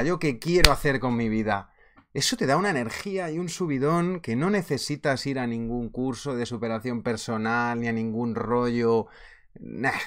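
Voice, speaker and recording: A man in his thirties with a Spain Spanish accent, teaching a live online trading class in a chatty, animated way, laughing often, from a small office on a webcam. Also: mid-range voice. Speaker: trading instructor. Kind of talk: casual live webinar teaching.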